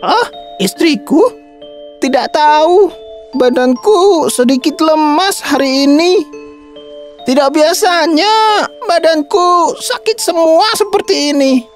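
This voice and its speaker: Old fisherman, stubborn and fussy , voiced by a woman: very high voice, unhurried delivery. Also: animated, faint music behind. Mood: worried. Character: elderly male fisherman, hardworking and stubborn.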